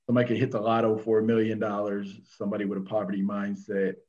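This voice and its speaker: Male co-host, low monotone, muffled lo-fi audio. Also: fast talker. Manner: conversational, filler-heavy explaining. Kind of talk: casual interview. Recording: dull lo-fi sound.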